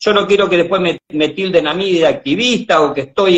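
The pace is moderate. Pitch varies an ordinary amount. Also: man. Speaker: activist group mentor. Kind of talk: interview. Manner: blunt, rough way of speaking.

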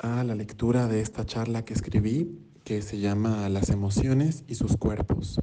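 At a fairly slow pace, a man speaks with an ordinary speaking voice. His medium pitch shows ordinary pitch variation. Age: 20s. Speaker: independent scholar, gender theory. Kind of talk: reading aloud a lecture.

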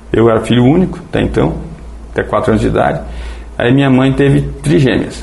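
Amid noticeable background noise and audible room echo, the speech runs at a fairly quick pace with very even loudness and long, frequent pauses. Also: man. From Brazil, western Paraná (São Miguel do Iguaçu), born in southern Santa Catarina. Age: 50s. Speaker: internet provider entrepreneur. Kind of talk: casual chat.

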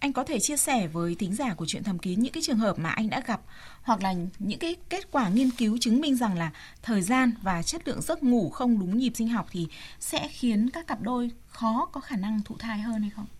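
A woman's plain, everyday voice, fairly high in pitch, at a fairly quick pace with lively intonation. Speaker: radio host. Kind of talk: radio call-in show. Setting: studio. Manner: polite.

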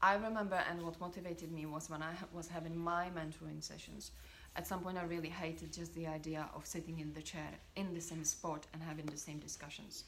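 Speaking fairly quickly with a Czech accent, a woman has vocal fry and monotone, flat intonation. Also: fairly low pitch for a woman. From Czech Republic. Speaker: well-being coach. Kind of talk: casual interview chat.

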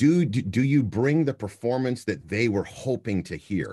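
Against a quiet background, a man speaks at a moderate pace with a medium pitch. His tone is dark and mellow, and his intonation lively. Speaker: voice actor and coach. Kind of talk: casual interview chat. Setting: studio.

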